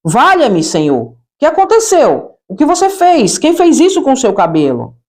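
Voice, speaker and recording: A woman's voice: sits high, big pitch swings, a little slow. A woman with a Brazilian accent voicing a shocked, devout aunt who exclaims in alarm. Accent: Brazilian Portuguese.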